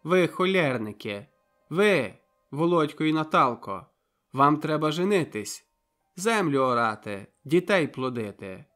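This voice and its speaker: A male audiobook narrator voicing a loud, teasing, middle-aged village woman who shouts jokes and brusque orders. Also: on the high side, very animated, a little slow, soft background music. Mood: teasing, boisterous.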